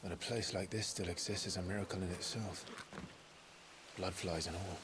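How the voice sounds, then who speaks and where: An actor as a low-voiced, brooding fighter. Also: male voice, fairly even intonation, moderate pace, background noise, lightly acted. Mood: somber. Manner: terse, restrained. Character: guarded, terse, brooding young male fighter. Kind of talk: cinematic video game acting.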